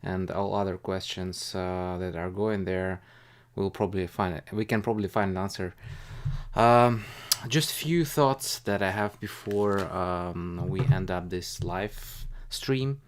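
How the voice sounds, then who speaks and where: A man's voice: sits low, slow. A man hosting a live stream, talking casually and a bit hesitantly in a rambling, informal way about investing.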